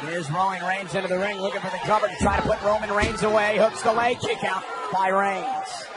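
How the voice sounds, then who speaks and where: A man doing excited live wrestling commentary as play-by-play caller, exclaiming and calling the action in short bursts. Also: high voice, fairly quick. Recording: loud arena crowd and noise behind. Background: roaring arena crowd.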